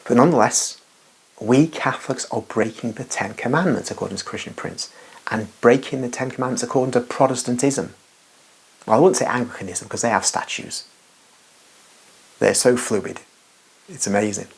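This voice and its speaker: A man's voice: medium pitch, normal speed, creaky, long pauses, breathy edge. A man giving an unscripted, rambling religious monologue as a Catholic commentator, emphatic and full of asides and restarts.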